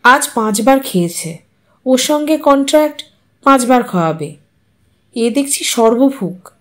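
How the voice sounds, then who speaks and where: A woman's voice: high-pitched, expressive, unhurried. A woman voicing a fussy young wife who snaps and scolds. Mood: fretful. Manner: snappish, scolding. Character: sharp-tongued young wife, fussy and commanding.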